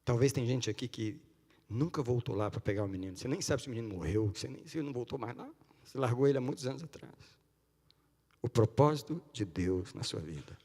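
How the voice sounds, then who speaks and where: Impassioned pastor in reverberant church. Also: male voice, mid-range voice, animated, fairly quick, husky. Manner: impassioned, swinging from loud cries to hushed pleading. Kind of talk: sermon. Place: church sanctuary. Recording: long church-hall reverb.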